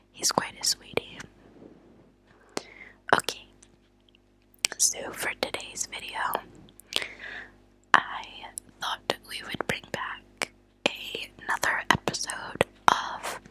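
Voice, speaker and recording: A woman hosting ASMR, speaking in a soft, breathy, unvoiced whisper with a hushed, deliberate delivery and pauses. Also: rough recording. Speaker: ASMR channel host. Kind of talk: whispered ASMR true-crime reading. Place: at a desk indoors.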